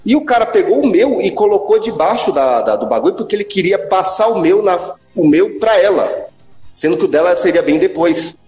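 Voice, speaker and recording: A man's voice: high voice, brisk, echoey room, faint music behind. A man with a Brazilian accent hosting a podcast, telling stories in casual chat full of slang and swearing. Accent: Brazilian Portuguese. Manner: animated slangy storyteller, swears often. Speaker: podcast host.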